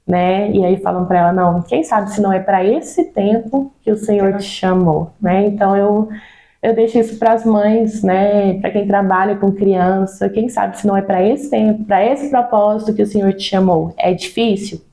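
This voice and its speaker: This woman's voice is mid-range and dark-toned, with fairly even intonation and a moderate pace. Speaking with a Brazilian Portuguese accent in a casual interview, she discusses children's ministry earnestly and insistently, repeating words and frequently adding "né."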